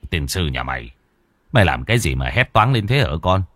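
A man's voice: medium pitch, wildly swooping pitch, moderate pace, no echo, clean studio sound. A man voicing a short-tempered older father who grumbles and curses at his son. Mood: grumbling. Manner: grumbling, cursing.

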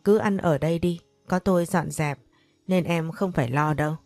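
Self-assured young husband, reassuring and dismissive of gossip, read by a woman, mellow low tone, storybook. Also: normal speed, no room sound, faint music behind, lightly acted. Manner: reassuring, offhand.

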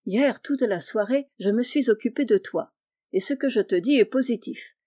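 A woman doing a kind, fatherly gentleman benefactor. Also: a little high, moderate pace, natural voice. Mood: reassuring. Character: kind wealthy middle-aged male painter, benefactor.

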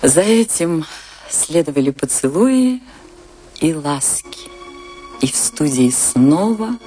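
An actress playing a passionate dancer in a radio play, with a theatrical, tender and measured delivery. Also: female voice, sits low, sing-song, warm tone, heavily acted. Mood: wistful, tender. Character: Isadora, passionate woman dancer recalling her great love. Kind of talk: radio play narration and dialogue. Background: music behind the voice.

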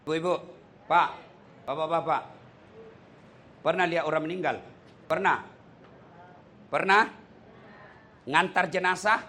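Lively preacher, man. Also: a little high, normal speed, pauses often, a little hiss or hum. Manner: animated storytelling, rhetorical questions to the audience. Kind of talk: sermon.

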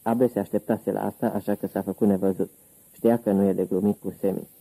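A man reading an audiobook, voicing a wary, blunt male gangster lieutenant in a gruff manner. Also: on the low side, level tone, dark tone, rough recording. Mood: reporting.

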